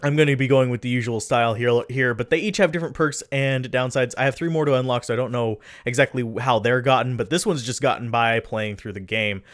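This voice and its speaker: A man talks a little fast, with few pauses, in a mid-range voice while commenting on the game he's playing. This let's play commentator is chatty and self-deprecating and often loses his train of thought, and faint game music can be heard.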